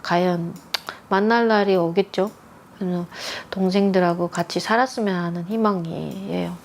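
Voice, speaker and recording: A middle-aged woman from North Korea, a guest telling personal stories in a calm, quiet, gentle way. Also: on the low side, normal speed, creaky, a little hiss or hum. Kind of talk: soft-spoken personal storytelling.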